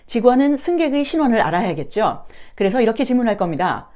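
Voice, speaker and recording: Lively-pitched woman teaching a language lesson. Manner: polite, explanatory, enunciates example phrases slowly for practice. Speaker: English teacher and video host. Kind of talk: instructional lesson with example phrases and translations.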